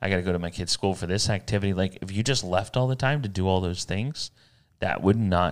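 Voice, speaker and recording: Fairly quick delivery from a man, his pitch fairly low with ordinary variation. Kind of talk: casual chat. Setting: studio. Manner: loud.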